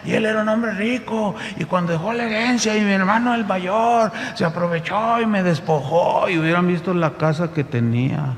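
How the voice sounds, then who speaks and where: A man voicing a bitter older woman with arthritis, who speaks in a soft, pleading, quiet voice as he retells her words in a sermon. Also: high-pitched, normal speed, few pauses, long reverb tail, a little hiss or hum. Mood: aggrieved.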